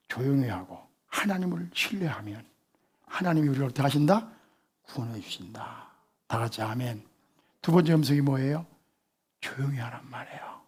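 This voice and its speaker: A male pastor delivers a lively sermon in a husky, fairly high voice. He drills the congregation with questions and makes them answer. His delivery swings from loud, punchy emphasis to near-whispered asides. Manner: call-and-response preaching, quizzing the congregation.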